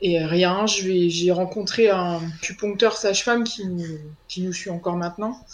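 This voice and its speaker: A woman's medium-pitched voice, fairly slow and fairly even in intonation, over noticeable background noise. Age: 30s. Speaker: mother of three sharing breastfeeding story. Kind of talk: testimony.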